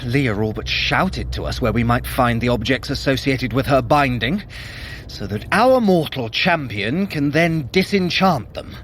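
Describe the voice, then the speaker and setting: A man's voice: medium pitch, expressive, measured pace, fairly bright tone, big-room sound, a little hiss or hum. An actor playing a haughty, sly male trickster god in an audio drama, wry and theatrically imperious. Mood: brisk, scheming.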